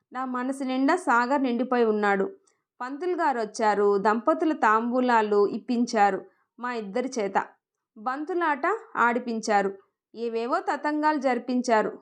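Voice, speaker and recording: Woman reading an emotional story, high voice, soft and expressive. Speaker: story narrator. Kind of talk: first-person story narration.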